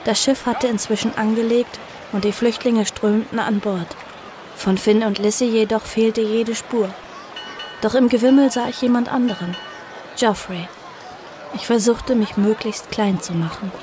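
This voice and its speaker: A woman's voice: a little high, fairly even intonation, unhurried, background noise, lightly acted. An actress playing an earnest, frightened young woman in an audio drama, acting and narrating in the first person. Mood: tense recounting. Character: Abby, earnest frightened young woman fleeing her uncle.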